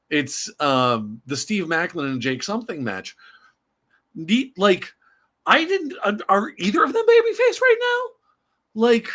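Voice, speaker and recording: A man's voice: high voice, fairly bright tone. A man from the Boston area co-hosting a casual wrestling podcast over a remote streaming call, joking and rambling with lots of restarts. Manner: rambling, self-interrupting, jokey. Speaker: podcast co-host.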